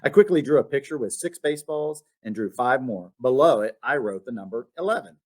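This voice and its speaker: A man reading a children's storybook aloud as its author, expressive and with dramatic emphasis. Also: mid-range voice, brisk. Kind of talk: animated storybook read-aloud.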